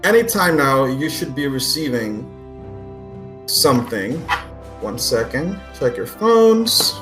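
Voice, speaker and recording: A man acting as game master, narrating a tabletop game in a halting, deliberate way. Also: mid-range voice, big pitch swings, music in the background.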